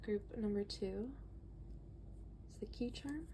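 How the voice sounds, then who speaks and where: Stuffy-nosed woman with a gravelly voice. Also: medium pitch, slow pace, background noise. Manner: chatty and relaxed, reads book passages aloud. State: stuffy nose, a little out of breath. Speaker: tarot reader. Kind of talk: casual tarot reading to camera.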